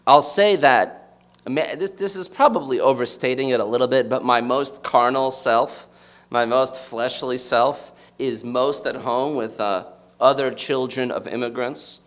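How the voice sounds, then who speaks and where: A man's voice: medium pitch, unhurried, fairly bright tone. Reflective American man addressing an audience. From United States. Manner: reflective, searching for words. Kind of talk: personal reflective talk. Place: in front of a live audience.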